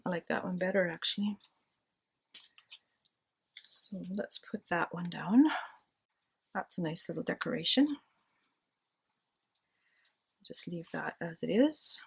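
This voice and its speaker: A woman's voice: lowish voice, measured pace, creaky, long pauses, breathy edge. A woman chatting casually to herself and her viewers while she decorates a handmade journal at home. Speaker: crafting vlogger. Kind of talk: casual crafting chat.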